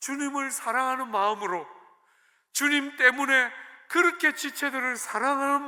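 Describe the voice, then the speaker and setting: A man's raised, projected voice with a Gyeongsang accent, extremely high pitched, bright and sharp in tone, with lively intonation at a fairly slow pace. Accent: Gyeongsang dialect, rough. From Gyeongsang region, South Korea. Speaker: pastor. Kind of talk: sermon.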